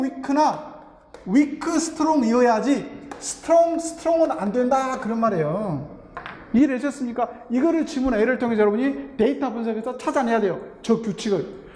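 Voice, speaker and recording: A man's voice: extremely high pitch, expressive, brisk, a little mellow. A man teaching linguistics for a teaching exam, explaining step by step and asking rhetorical questions, with terms. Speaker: English linguistics instructor. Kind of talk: exam-prep lecture. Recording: long hall reverb.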